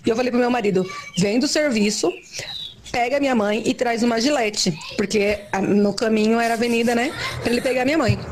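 A woman caller tells her story plainly over a faint phone connection. Her voice sits slightly high, and clear noise hisses behind her. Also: a little fast. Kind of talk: telling an anecdote. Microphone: phone call. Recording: faint noisy phone line.

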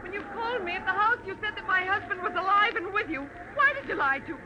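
An actress playing an anxious wife in a 1940s radio melodrama. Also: female voice, very high-pitched, lively intonation, quick pace, crowd noise. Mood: frightened. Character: anxious wife, female client of a detective. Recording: noisy old radio recording.

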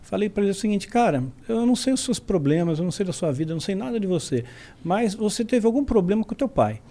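Brief: Brazilian man, higher voice, lively storyteller who acts out every quote. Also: quick pace. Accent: Brazilian Portuguese. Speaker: podcast guest. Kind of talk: casual storytelling.

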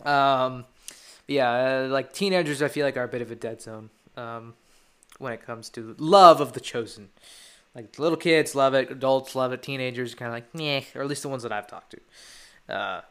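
A man's voice: mid-range voice, moderate pace, fairly bright tone, clean tone. A teenage boy hosting his own podcast, rambling casually and eagerly as a devoted fan. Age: teens. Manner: rambling, enthusiastic fan chat. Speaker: podcast host. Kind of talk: casual solo podcast talk.

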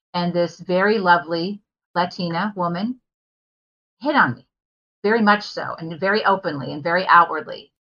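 A woman's voice: lowish voice, pushed and bright. A middle-aged woman, a life coach, telling her personal story openly and earnestly as a podcast guest. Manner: open and earnest, with fillers. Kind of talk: candid interview storytelling. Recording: dull lo-fi remote audio.

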